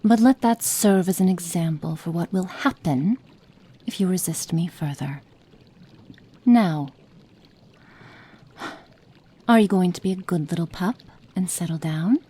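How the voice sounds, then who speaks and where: In an ASMR roleplay, a woman with a fairly low, breathy-edged voice plays a cruel, cold witch experimenting on a captive. She speaks slowly and menacingly, often slipping into soft whispers.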